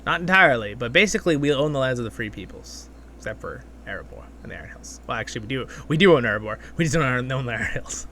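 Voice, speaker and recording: A man hosting a gaming video with casual, excitable commentary, talking half to himself and half to his viewers. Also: mid-range voice, quick pace, slight background noise. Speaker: gaming channel host. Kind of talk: casual gameplay commentary, with expressive story reading.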